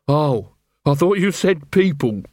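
A man's voice: on the high side, lively intonation, a little slow, a little mellow, no echo, clean studio sound. A man voicing a fat, surly armourer in a storybook, hesitant, grudging and defensive. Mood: grudging unsure.

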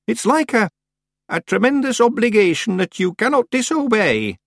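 A woman voicing a stern, sharp-tongued, commanding very old witch in a storybook reading. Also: a little high, sing-song, normal speed, creaky, no echo, studio quality, pitched above the performer's own voice, heavily acted. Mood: questioning. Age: older.

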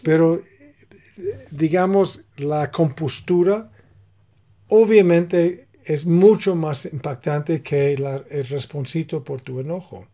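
A middle-aged man talks in an unhurried, measured way, laying out his points one by one. His voice sits a little high for a man. He sounds like a co-host giving advice in a relaxed conversation. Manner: calm, explanatory, acts out little example dialogues. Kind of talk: casual conversation.

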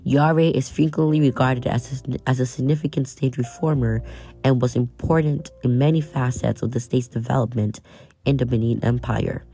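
Over soft background music, a young man from Nigeria reads his history podcast script in an American accent. His medium-pitched voice is creaky and mellow, with a steady tone at normal speed, and he frequently trips on names and starts them over.

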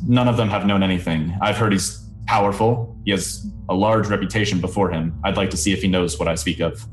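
A man voicing a formal, dutiful cleric investigator in a tabletop game, measured and courteous. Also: sits low, steady tone, natural voice. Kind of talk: tabletop game role-play. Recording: roomy echo, faint music behind.

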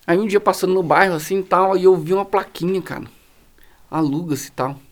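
Slangy, animated Brazilian man telling stories. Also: high voice, brisk. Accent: Brazilian Portuguese. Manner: slangy, animated storytelling with many fillers. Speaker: guest, pastor running a social project. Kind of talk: casual storytelling in a podcast conversation.

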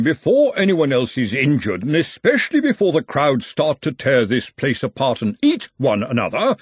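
Stern male referee for a comic audiobook, played by a male narrator: formal, pompous, husky, sweeping intonation. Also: on the high side, no room sound, voice pushed up, heavily acted.

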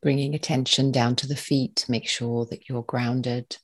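With a mid-range voice carrying a breathy edge, this meditation guide speaks soothing instructions slowly, in short, well-spaced phrases and a calm manner.

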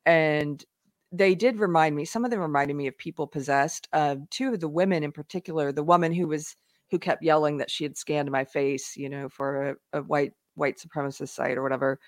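A woman's voice: sits low, steady tone, brisk, no echo, clean studio sound. A woman hosting a live online talk show, retelling events animatedly with frequent laughs. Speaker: livestream show host. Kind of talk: casual chat.

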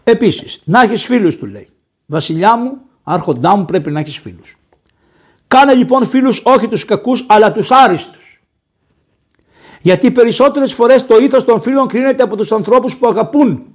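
Male priest from Greece, sermon, animated delivery with loud emphatic peaks. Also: very high voice, husky. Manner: lively, conversational preaching with sudden raised emphasis.

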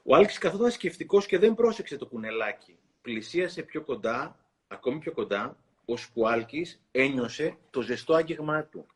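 A man hosting a talk, reading a children's book aloud in an expressive storytelling way and pausing to comment. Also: on the high side, slight background noise. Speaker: host.

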